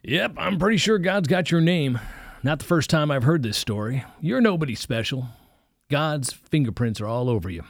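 Man doing a gruff, blunt old preacher. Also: a little high, lively intonation, normal speed, no room sound, studio quality, pitched above the performer's own voice. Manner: blunt, folksy, commanding. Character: blunt, gruff older male preacher, pipe smoker.

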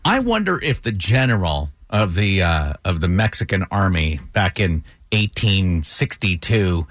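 A man's voice: deep voice, very animated, a little slow, a bit bright, no room sound. A man hosting a radio morning show, bantering playfully in an upbeat style, close on a studio microphone.

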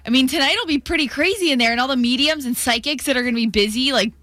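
A woman's voice: high voice, racing, pushed and bright, dry recording. A woman co-hosting a radio morning show with casual, chatty banter.

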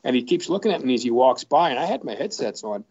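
Man, sports broadcaster, storytelling, mid-pitched voice, dull lo-fi audio. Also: big pitch swings, fast, a little mellow, breathy edge. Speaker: sports broadcaster and podcast regular. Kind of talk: casual storytelling chat.

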